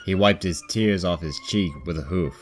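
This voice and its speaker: Deep voiced guy reading a funny story as narrator, music playing underneath. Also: normal speed. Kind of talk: scripted story narration of comedic fan fiction.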